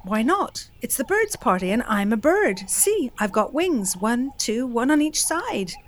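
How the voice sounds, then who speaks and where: A woman voicing a small, eager male bat who squeaks and stammers in a storybook tale. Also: lively intonation, moderate pace. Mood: insistent. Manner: stammering, pleading.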